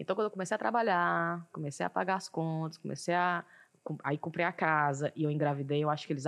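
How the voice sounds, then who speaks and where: Quiet surrounds a woman whose pitch is very deep and low. She talks at a fairly quick pace with lively intonation. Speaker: journalist and podcaster. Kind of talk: casual interview.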